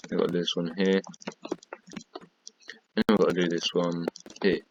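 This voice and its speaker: Tired low-voiced man narrating a build. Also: little pitch movement, moderate pace, muffled recording, background noise. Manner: chatty, repetitive counting and pointing while building. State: tired, losing his voice. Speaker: gaming tutorial creator. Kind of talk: casual build tutorial commentary.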